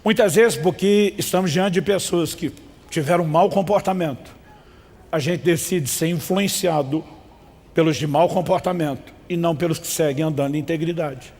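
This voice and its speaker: A Brazilian man preaches emphatically from the pulpit, urging the congregation to repeat after him. His voice sits a little high for a man. It rings with the long reverb of a large church hall. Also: moderate pace, a little mellow. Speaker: pastor. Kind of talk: sermon.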